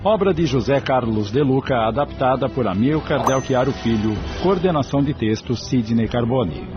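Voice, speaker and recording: A man narrating an audiobook in a measured, even manner. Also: mid-range voice, highs cut off, loud music behind the voice.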